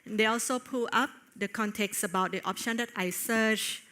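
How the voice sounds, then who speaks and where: Female conference presenter, bright forward tone, earnest and hesitant with fillers. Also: a little high. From Thailand. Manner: earnest, with frequent filler pauses. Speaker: conference speaker. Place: on stage at a tech conference.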